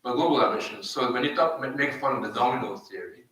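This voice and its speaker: A man from Hungary, arguing as a panelist in deliberate phrases that often restart. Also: mid-range voice, bright, forceful tone. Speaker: panel speaker. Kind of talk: argumentative panel remarks. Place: live panel event in an echoey room. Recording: very echoey room, distant microphone.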